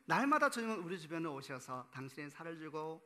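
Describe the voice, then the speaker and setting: Bright-voiced Korean pastor preaching. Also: male voice, a little high, big pitch swings, fast talker. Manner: conversational storytelling with rhetorical questions to the congregation; laughs at his own stories. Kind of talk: sermon. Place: church sanctuary.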